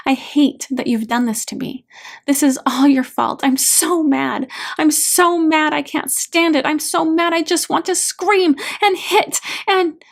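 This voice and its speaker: Woman acting a wounded, high-voiced daughter, creaky. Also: slow pace, a little mellow, exaggerated voice. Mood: angry, anguished. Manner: emotional, pleading, wounded. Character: hurting daughter pleading with and raging at her father.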